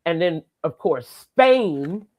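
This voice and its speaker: A woman's voice: on the low side, expressive, slow pace, narrow, tinny audio. A woman giving blunt, opinionated takes in a casual sports chat show. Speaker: segment guest commentator.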